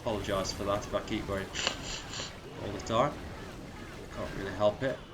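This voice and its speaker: Croaky sniffly man, casual game commentary. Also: lowish voice, normal speed, background noise. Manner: relaxed, chatty, calls out percentages. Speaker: clan leader commentating war replays.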